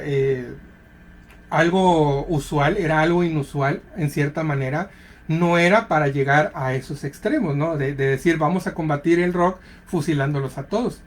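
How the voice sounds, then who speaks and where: A radio host with a Mexican Spanish accent, talking casually to listeners and checking in with quick tag questions and fillers. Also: mid-range voice. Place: radio studio.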